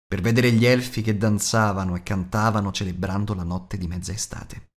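A man reading scripted fantasy narration as an audiobook narrator. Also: on the low side.

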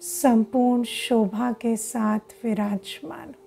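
A woman leading a guided meditation in a hushed, deliberate way, speaking in short phrases with long pauses. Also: a little high, vocal fry, breathy edge.

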